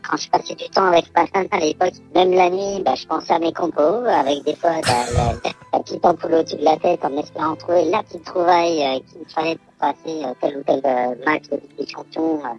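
A man speaking through a voice changer that disguises his voice, giving a hesitant, halting anonymous testimony full of fillers. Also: on the high side, creaky, lo-fi sound. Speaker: anonymous interviewee, former gaming addict. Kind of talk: recorded testimony.

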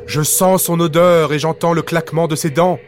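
A man voicing a mean, bossy boy who teases his little cousin, mocking and shrill when scared. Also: steady tone, moderate pace, slight background noise, natural voice. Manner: mocking, then shrill and panicked.

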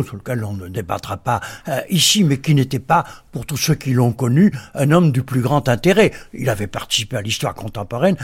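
A man's voice: medium pitch, breathy edge. A man, a journalist and biographer, speaking in a radio debate, hesitant with frequent restarts and repeated words.

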